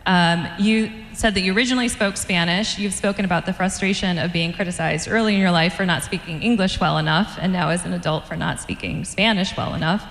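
A woman interviewer on stage asking measured, prepared questions, with occasional fillers. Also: lowish voice, a bit bright. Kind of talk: onstage author interview. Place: event stage before an audience. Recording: roomy hall, long reverb.

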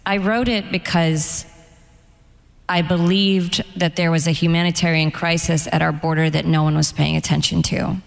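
Her voice deep, gravelly and steady, a middle-aged novelist moves at a moderate pace through a candid, wryly humorous onstage conversation about her life and writing. The audience event takes place in an echoey hall with long reverb.

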